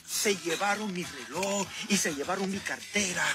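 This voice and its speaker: A man's voice: high voice, normal speed, lightly acted. An actor playing a Venezuelan husband who insists he is not lost, talking in a soothing, falsely confident way. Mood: flustered. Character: lost husband too proud to ask directions. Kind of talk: TV comedy-drama acting.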